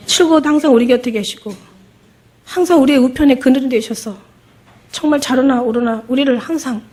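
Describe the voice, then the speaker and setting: A woman's voice: sits high, a little mellow. A middle-aged woman pastor giving an emotional testimony sermon, acting out the voices in her story.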